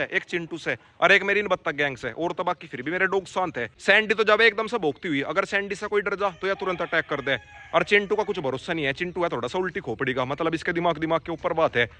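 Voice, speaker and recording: A man, talking casually to his viewers while he walks his dog farm and shouts to his dogs. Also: fairly high pitch. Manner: calls out loudly to his dogs. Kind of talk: casual vlog commentary.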